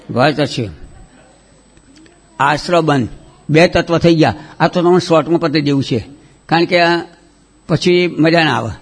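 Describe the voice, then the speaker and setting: A man teaching children a religious lesson, chanting terms loudly for them to repeat, then dropping to quick, quiet scolding. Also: very high voice. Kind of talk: call-and-response chanting lesson.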